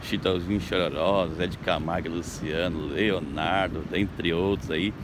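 A Brazilian man who works as a local tour guide vlogs from a beach boardwalk at sunrise, speaking at normal speed in a steady, slightly low voice. He's upbeat and casual, chatting directly to his audience. Traffic and street noise are clearly heard on the outdoor phone audio.

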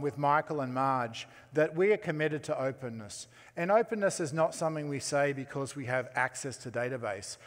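Guy doing a tech keynote, lots of ums and restarts, slightly high voice, big hall reverb. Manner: halting, many fillers and restarts. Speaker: CTO giving a keynote. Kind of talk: conference keynote speech. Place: large conference hall.

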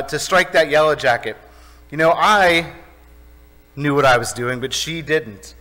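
A man's voice: on the high side, sharp tone. A male pastor preaching a sermon in a church sanctuary, telling a story conversationally and asking the congregation questions. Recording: reverberant church hall.

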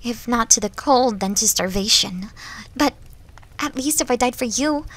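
A woman playing a needy, devoted young yandere wolf girl in an ASMR roleplay, with a hesitant, breathy, pleading manner. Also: on the high side, moderate pace, fairly bright tone. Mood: desperate, devoted.

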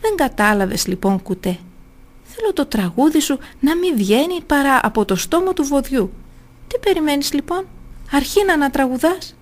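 A woman's voice: high-pitched, big pitch swings, pitched above the performer's own voice. A woman putting on a cunning male tyrant in a storybook reading. He commands curtly and mocks his victim with cold cruelty. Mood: mocking. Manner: curt, commanding, mocking.

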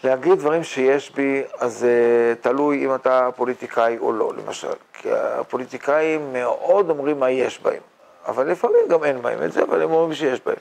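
An older man, a rabbi, teaching a Torah class in a yeshiva study hall, animated and full of rhetorical questions. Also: medium pitch, vocal fry. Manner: animated, rhetorical questions, mock-boastful asides. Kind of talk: Torah lecture.

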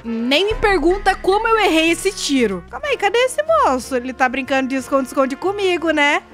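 A young woman with a Brazilian Portuguese accent, chatting excitedly through a gameplay video with frequent squeals and exclamations. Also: very high voice, moderate pace. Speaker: gaming YouTuber. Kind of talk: casual gameplay commentary. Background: game music and sound effects.

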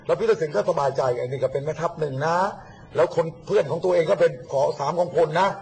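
Fast-talking blunt man, high-ish voice. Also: creaky, darkish tone, slightly rough. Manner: rapid, blunt, mocking, acts out quotes. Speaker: guest speaker on politics and the army. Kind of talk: casual political talk.

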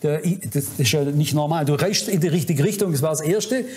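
A man delivers a conference sermon in a noticeably high voice. He is fervent and admonishing, speaking directly to his listeners to warn and exhort them. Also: fairly quick, a little mellow. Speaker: preacher. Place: conference hall.

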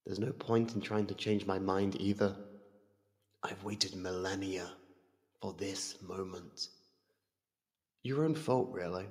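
An ancient entity of the void, acted out by a man in an ASMR drama, calm, menacing and condescending toward its prey. The voice is low and creaky, and each phrase comes very slowly and deliberately. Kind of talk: ASMR monologue roleplay. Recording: cavernous long reverb.

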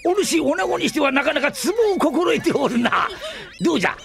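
A man's voice: extremely high pitch, expressive, brisk, vocal fry, heavily acted. A man playing an eccentric, jovial old robot professor with old-fashioned scholarly speech in an audio drama. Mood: jovial, coaxing.

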